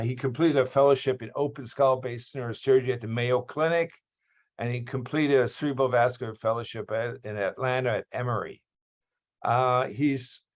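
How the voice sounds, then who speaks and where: A man from Australia, hosting a lecture series over a video call, reads out a guest's introduction. He halts often with ums and restarts. His mid-pitched voice comes through dull and lo-fi. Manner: hesitant, many ums and restarts. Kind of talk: formal speaker introduction.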